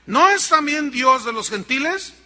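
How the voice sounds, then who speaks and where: Preacher with a bright, ringing voice. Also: male voice, extremely high pitch, expressive, measured pace. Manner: preaching with rhetorical questions to the congregation. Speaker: pastor. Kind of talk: sermon. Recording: long reverb of a large hall.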